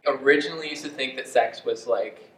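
A man's voice: mid-range voice, a little fast, fairly bright tone, roomy sound, recorded from a distance, low-quality recording. An eighteen-year-old man on a panel, talking casually and hesitantly with lots of "like". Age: teens. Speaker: panelist, aspiring band vocalist.

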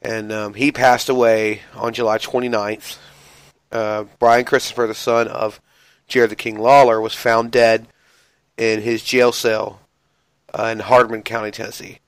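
A man's voice: fairly low pitch, level tone, measured pace, clean tone, dry recording, low-quality recording. A man hosting a casual wrestling podcast while sick and coughing, joking boastfully about his own greatness. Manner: boastful, joking self-praise. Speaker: podcast host.

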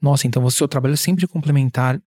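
A man's voice: mid-range voice, very fast, darkish tone, no echo, clean studio sound. A man hosting an interview who asks long, thoughtful questions and chats with his guest. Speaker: interview host.

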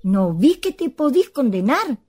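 A bossy ghost of a village elder sister in Chilean radio theatre. Her voice is high and swings widely in pitch. She speaks in a rural Chilean accent with a scolding, expressive manner. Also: measured pace, slightly rough, exaggerated voice.

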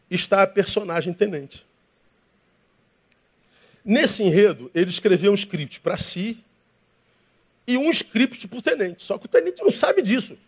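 Husky-voiced pastor spinning a lively story. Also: male voice, high voice. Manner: animated storyteller acting out both sides of a dialogue. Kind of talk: sermon told as an anecdote.

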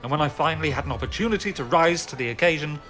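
An actor playing a proud young military officer with a pointed way of talking in a science fiction audio drama. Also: male voice, fairly high pitch, rapid-fire, fairly bright tone, natural voice. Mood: resentful, hurt. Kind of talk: dramatic acting. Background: music.

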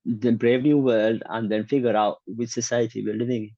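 A man's voice: medium pitch, fairly even intonation, normal speed, warm tone, dry recording, highs cut off. A man in his twenties chatting casually, opinionated and acting out quotes as he tells his stories. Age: 20s. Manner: opinionated, acts out quotes, stammers on restarts. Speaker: conversation partner. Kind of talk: casual chat.

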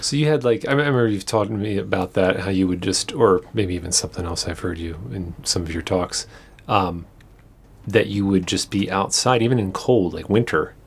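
Low-voiced male podcast host. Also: normal speed, slightly rough. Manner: encouraging, frequent short backchannels. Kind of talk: casual interview. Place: trailer with wind and flags outside.

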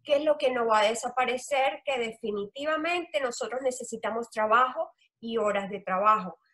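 A middle-aged woman speaks Spanish with a strong Colombian Caribbean coast accent, bright and forceful with a fairly high pitch. She answers an interviewer earnestly, pausing on "eh" as she explains her work in lending. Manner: earnest, explanatory, with frequent "eh" fillers. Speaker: loan officer guest.

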